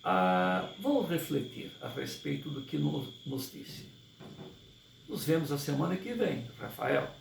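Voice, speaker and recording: A man's voice: on the high side, sing-song, slow, creaky, echoey room, a little hiss or hum, full character voice. A man reading the lines of a skeptical atheist, speaking with a touch of irony. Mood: wry. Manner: ironic.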